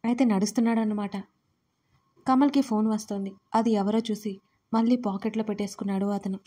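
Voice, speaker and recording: A woman tells a serialized romance story in a steady, scripted narration. Her voice is mellow and soft-edged, sitting at an ordinary middle pitch for a woman. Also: brisk. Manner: reads every part herself, louder and higher in the characters' lines.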